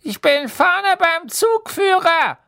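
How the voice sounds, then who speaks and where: A man voicing a plump, kindly witch who pushes a snack trolley on a train, speaking slowly and gently. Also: lively intonation, gravelly, exaggerated voice. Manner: slow, high, gentle.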